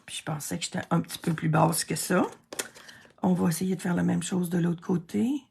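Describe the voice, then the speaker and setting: A woman's voice: on the low side, steady tone, fairly quick, creaky, dark tone, a little hiss or hum. A Québécois woman chatting and thinking aloud through a card-making tutorial, self-deprecating and chatty. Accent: Québécois French. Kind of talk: casual craft tutorial narration.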